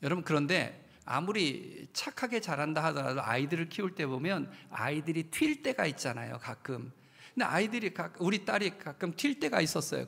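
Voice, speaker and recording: A middle-aged man, a pastor, preaching a sermon in a church, telling stories and growing louder at emotional peaks. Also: fairly high pitch, gravelly. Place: church sanctuary.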